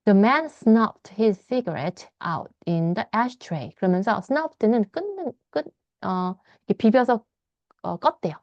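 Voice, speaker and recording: A Korean woman teaching English by reading a novel aloud. She reads English lines slowly and explains them in fast Korean, sometimes acting out the characters in a higher voice. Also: lively intonation, darkish tone, no room sound, dull audio. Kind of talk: bilingual read-aloud lesson, explaining a novel.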